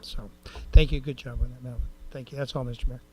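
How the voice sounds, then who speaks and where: A man's voice: mid-range voice, fairly even intonation, quick pace, faint music behind, poor audio. A man council member making rambling, folksy remarks at a council meeting, speaking into a desk microphone in a council chamber.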